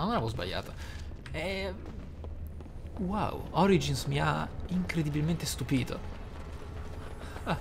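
A man's voice: on the high side, a little hiss or hum. A man giving playthrough commentary on a roleplaying game, musing aloud in an emphatic way. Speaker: gameplay host. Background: game music behind the voice.

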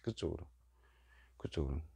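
A man's voice: moderate pace, dry recording. An older man giving a Buddhist dharma lecture, repeating key phrases and acting out worried inner voices. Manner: emphatic, rising and falling loudness.

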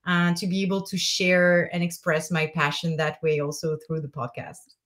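A woman in her thirties, a French-speaking leadership coach with a clear French accent, talks eagerly over a video call from a bedroom at home. Her voice sits a little low for a woman, and she speaks fluently with small restarts. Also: level tone, normal speed, a bit bright. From francophone. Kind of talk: interview talk. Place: bedroom, indoors.

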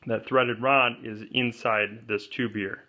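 Slow and steady, a man with a mid-range voice explains, step by step and without fuss, how he built a homemade camera pole for kayaking, pointing out every part. The highs are cut off. It's an off-camera voice-over of an overhead shot of his hands at an indoor wooden table.

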